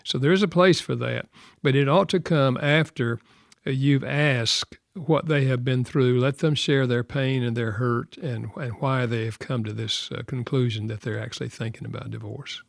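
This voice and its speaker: Gravelly older man giving calm advice. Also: mid-range voice, dry recording, clean studio sound. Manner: calm, measured, advising, with many fillers. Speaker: marriage counselor and author. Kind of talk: radio advice talk.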